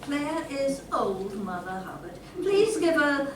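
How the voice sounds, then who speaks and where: Woman as a high-pitched, smarmy show host, echoey. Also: big pitch swings, slow, heavily acted. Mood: gushing. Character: polite, smarmy game show host of an antiques panto spoof. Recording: echoey room, distant mic, clear noise.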